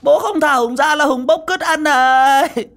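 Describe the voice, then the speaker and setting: A man voicing a deranged young man who screams high, childish taunts at his father. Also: unhurried, fairly bright tone, full character voice. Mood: shrieking taunts. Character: mad young man, raving then terrified.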